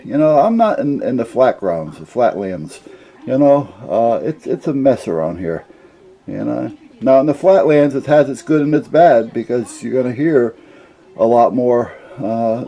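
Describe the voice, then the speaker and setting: An older man with a deeply mellow, dark timbre and an average-pitched voice. He explains technical hobby matters casually and without a script. His delivery is folksy and plain-spoken, rambling from point to point. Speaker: CB radio hobbyist explaining gear.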